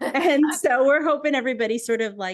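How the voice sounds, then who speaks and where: At a fairly quick pace, a woman speaks with vocal fry. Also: dry, close sound with no echo. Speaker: coming out and divorce coach. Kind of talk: casual interview chat.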